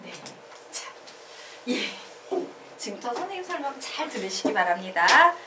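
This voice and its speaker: A woman math teacher giving a classroom lecture, animated and quizzing her students as she explains. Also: a little high, moderate pace, roomy sound, far from the mic, very noisy. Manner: animated, asks the class questions and drills answers.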